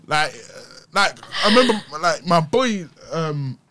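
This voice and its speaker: A man's voice: fairly high pitch, lively intonation, takes it slowly. A young man with a London roadman accent, chatting casually and telling stories in heavy slang. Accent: London, urban roadman slang style. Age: young adult. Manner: slangy, acts out his friends' quotes loudly. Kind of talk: casual chat, animated storytelling.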